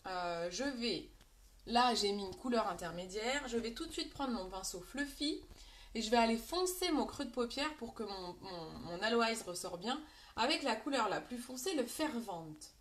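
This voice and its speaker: A woman's voice: on the high side, expressive, normal speed, a little hiss or hum. Chatty French woman giving a makeup tutorial. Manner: chatty, addresses viewers directly, reads out comments.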